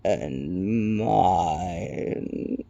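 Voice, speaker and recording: Ponderous, gravelly rock giant. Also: male voice, deep voice, expressive, dark tone, dull audio, full character voice. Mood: gruff, curious. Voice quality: crackling, gravelly. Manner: ponderous, drawn-out speech. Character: huge slow crackling rock-eating giant creature.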